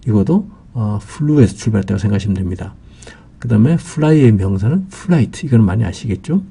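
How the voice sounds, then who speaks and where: Raspy dark-voiced guy explaining english words slowly, lots of "uh"s. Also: lowish voice, expressive. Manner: patient explaining with many fillers. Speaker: English vocabulary teacher. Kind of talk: spoken vocabulary lesson.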